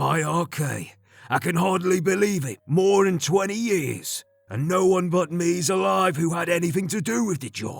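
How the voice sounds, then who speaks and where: In a put-on character voice, a man growls in a gruff, raspy, high-pitched tone at a moderate pace with ordinary pitch variation. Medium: read story. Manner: blunt, coarse, dismissive.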